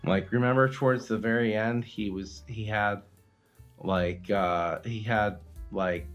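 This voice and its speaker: A man's voice: on the low side, fairly even intonation, measured pace, soft background music. A man co-hosting a comedy podcast, talking in a casual, conversational style. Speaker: podcast co-host.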